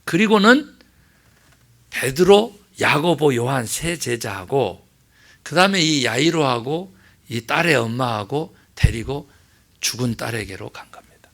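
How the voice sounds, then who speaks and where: A middle-aged male pastor preaching a sermon, telling a Bible story with acted-out lines and swinging between loud exclamations and hushed asides. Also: mid-range voice, lively intonation, measured pace.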